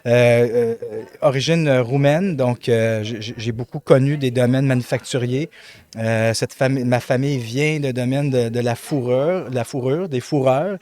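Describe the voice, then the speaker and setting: A middle-aged man from Montreal with a Québécois accent, telling his story as an interview guest, animated and full of fillers and repeated words. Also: mid-range voice, moderate pace. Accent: Québécois French. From Montreal, Quebec. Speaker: guest, company president.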